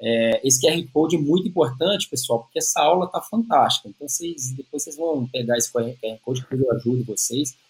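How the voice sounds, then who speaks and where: A man's voice: medium pitch, brisk, hardly any pauses, poor audio. A man with a Brazilian Portuguese accent hosts a live chat. His voice sits in a middle register, and he speaks informally, addressing his guest like a buddy. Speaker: live-stream host.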